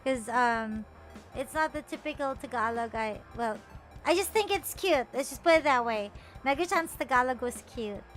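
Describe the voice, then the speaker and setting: A woman's voice: high-pitched, normal speed, faint music behind. A woman from the Philippines, chatting playfully on a stream, teasing herself and laughing often. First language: Filipino. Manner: animated, playful and self-mocking, laughs often. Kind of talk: casual chat stream.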